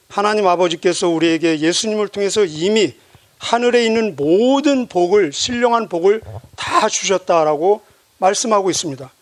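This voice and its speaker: A man preaching a sermon as pastor, measured and emphatic, asking rhetorical questions of his listeners. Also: high voice, dry recording.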